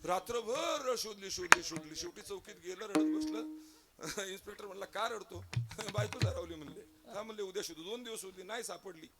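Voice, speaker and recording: A man's voice: high voice, fairly quick, a loud crowd. A man with a Marathi accent giving a devotional kirtan sermon, telling a funny story and acting out its dialogue. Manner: humorous storytelling, acts out dialogue, bursts into chanting. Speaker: kirtan preacher.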